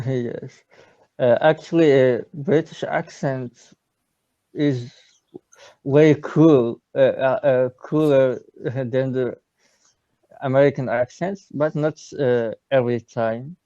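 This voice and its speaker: A man with a Turkish accent speaks slowly and haltingly on a video call, with a lot of uhs as he hunts for English words. His voice is mellow and smooth, and the sound is dry and a bit dull. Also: mid-range voice, steady tone, no echo. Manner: hesitant, searching for words, many uhs. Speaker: English learner. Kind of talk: casual video-call lesson chat.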